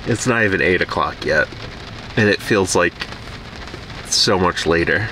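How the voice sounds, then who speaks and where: A man's voice: measured pace, sharp tone, a little hiss or hum, low-quality recording. A man in his thirties, talking glumly and mocking himself in a casual solo vlog, recorded close up inside a parked car at night. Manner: glum, self-mocking, low-key. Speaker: vlogger. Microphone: camera close by in the car.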